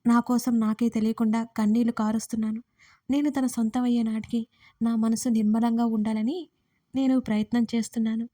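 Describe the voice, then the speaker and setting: A woman narrating a first-person romance audio story in a soft, intimate, reflective way. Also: a little high, little pitch movement, brisk, no room sound, studio quality.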